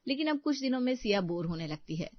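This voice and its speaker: A woman narrating a domestic audio story in a steady, plain storytelling manner. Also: a little high, quick pace, no echo. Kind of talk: scripted narration. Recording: dull, dry sound.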